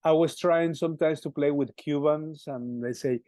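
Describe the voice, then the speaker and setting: A middle-aged man from Colombia, speaking English with a Colombian Spanish accent as a musician being interviewed. He talks haltingly, repeating words and restarting often. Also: a little high, warm tone, no echo, clean studio sound. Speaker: musician guest. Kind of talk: interview answers.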